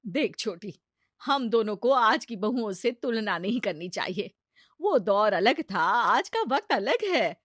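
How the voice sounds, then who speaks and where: Woman doing a gentle, motherly mother-in-law. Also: fairly high pitch, sing-song, a little slow, no room sound, studio quality, full character voice. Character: kind middle-aged mother-in-law, gentle.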